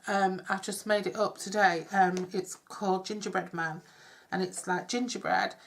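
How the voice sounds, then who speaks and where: A middle-aged woman with a cold, chatting her way through a craft demonstration with soft, self-deprecating asides. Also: mid-range voice, steady tone, moderate pace, vocal fry. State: congested with a cold. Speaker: craft tutorial host. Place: home craft table. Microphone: overhead camera on hands, speaker off-screen.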